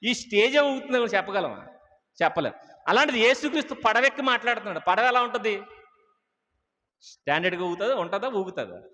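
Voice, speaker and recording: Male pastor, fairly high, forceful delivery, preaching from a podium on a stage mic, quizzing the congregation, hall reverb trailing every phrase. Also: lively intonation, quick pace, pauses often. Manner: rhetorical questions to the congregation. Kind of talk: sermon. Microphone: stage microphone.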